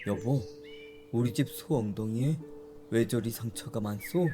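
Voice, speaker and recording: Woman doing a meek gentle husband. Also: extremely low pitch, unhurried, music in the background. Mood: mild. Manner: mild, old-fashioned speech. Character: meek gentle husband, mild-mannered farmer.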